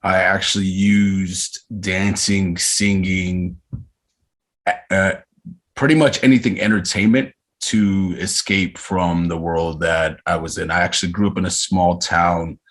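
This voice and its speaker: A man in his thirties from Arizona, a podcast guest talking casually about his life with frequent pauses and hesitations. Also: deep voice, steady tone, a bit bright. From Arizona, USA. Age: 30s. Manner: reflective, unhurried, frequent hesitations. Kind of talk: casual interview chat.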